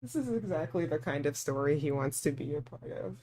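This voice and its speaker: A woman's voice: low voice, lively intonation, a little fast, mellow, slight background noise. A woman playing a visual novel and commenting casually, thinking aloud in a playful, slangy, informal way. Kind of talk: casual let's play commentary with read-aloud game dialogue.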